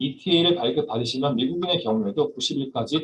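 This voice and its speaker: Speaking at a very fast pace, a man uses a fairly high pitch and very wide pitch swings. His voice is somewhat breathy. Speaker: consular officer giving info session. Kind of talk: informational lecture. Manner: formal.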